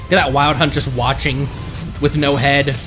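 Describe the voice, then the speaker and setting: A man giving casual live gameplay commentary as a streamer, with an excitable manner. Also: mid-range voice, normal speed, over music. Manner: excitable, animated.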